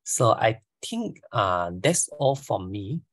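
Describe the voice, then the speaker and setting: A Malaysian man in his forties, a lecturer briefing over a video call, halting and repeating words. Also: fairly low pitch, very animated, a bit bright, no echo. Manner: halting, repeats words, non-native grammar.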